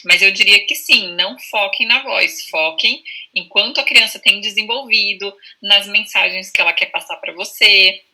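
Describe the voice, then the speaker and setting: A Brazilian woman with a very bright voice and a husky edge talks over a video call. She explains patiently, as a speech therapist would, and often checks in with a quick tag at the end of her sentences. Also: medium pitch, low-quality recording. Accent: Brazilian Portuguese. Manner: calm, explanatory, frequent "né?" tags. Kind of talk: conversational explanation in a live video chat.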